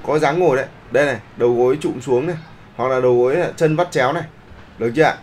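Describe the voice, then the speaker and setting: A man's voice: medium pitch, racing, a little mellow, a little hiss or hum. A man teaching a live online class, often checking that the students follow along. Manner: keeps checking in with the class, polite particles. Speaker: online art instructor.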